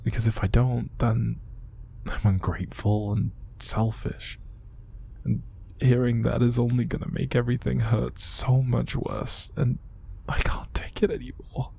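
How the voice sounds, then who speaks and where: A man acting an upset, exhausted young man in an intimate audio roleplay, speaking in a hushed, halting, breathy and gravelly voice. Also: medium pitch, flat delivery. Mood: weary, fed up. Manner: halting, sighing, hushed, naturalistic delivery. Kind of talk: intimate audio roleplay monologue to an unseen listener.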